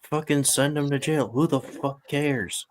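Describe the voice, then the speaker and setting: A man's voice: a little high, measured pace, a crowd in the background. A man chatting casually in a blunt, sweary manner. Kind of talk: casual chat.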